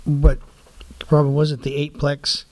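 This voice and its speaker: A man's voice: fairly high pitch, completely flat delivery, a little slow, darkish tone. A man speaking casually as a council member, putting a point at a meeting. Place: city council meeting room.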